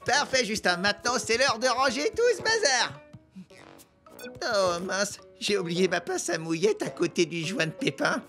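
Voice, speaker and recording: A man voicing a fussy, excitable, easily panicked character in a French cartoon dub, exclamatory in delivery. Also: high-pitched, moderate pace, faint music behind, exaggerated voice. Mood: busy, fussy.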